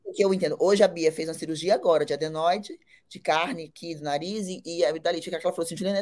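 A woman at a very fast pace, with ordinary pitch variation, on a very clean recording with a silent background. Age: 40s. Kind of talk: interview.

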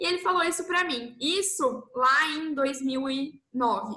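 A woman speaks in a raised, projected voice, her high pitch carrying a bright, sharp tone with ordinary pitch variation. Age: 20s. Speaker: image and style consultant. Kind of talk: casual interview chat.

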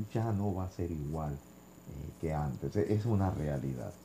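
The man's tone is dark and mellow. His pace is moderate. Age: 50s. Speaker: podcast co-host. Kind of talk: casual chat.

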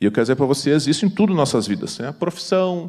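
A normal speaking voice carries lively intonation. The recording is very clean, with a silent background. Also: man. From southern Brazil (Porto Alegre). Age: 50s. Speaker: physician and lay preacher. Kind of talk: sermon.

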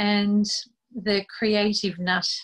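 Her voice sits fairly high. This woman sounds somewhat breathy. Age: 40s. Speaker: artist and tarot reader, business mentor. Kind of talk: casual interview chat. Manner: hesitant with fillers.

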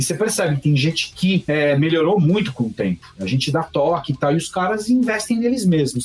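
Lively intonation and a high pitch come from a man talking at a moderate pace. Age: 40s. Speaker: video game localization director. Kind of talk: casual chat.

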